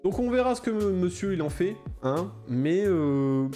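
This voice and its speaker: A man's voice: sits high, animated, a little slow, warm tone, faint music behind. A man chatting casually while opening trading card packs, rambling with many fillers and repeated phrases. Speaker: Pokémon card opener. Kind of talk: casual pack-opening chat.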